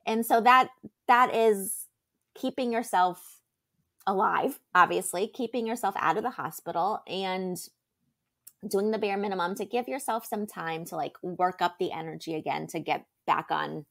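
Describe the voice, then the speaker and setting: A woman's voice: mid-range voice, moderate pace, vocal fry, fairly bright tone. A young woman co-hosting a podcast, talking in a chatty, reassuring way with lots of fillers. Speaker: podcast co-host. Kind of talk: casual chat.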